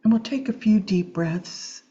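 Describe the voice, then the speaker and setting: A woman with a dark, very mellow voice leads a guided meditation. She speaks gently and soothingly, leaving long, unhurried pauses between short phrases. The recording is slightly dull and muffled. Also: medium pitch. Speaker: meditation teacher. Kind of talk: guided Yoga Nidra meditation.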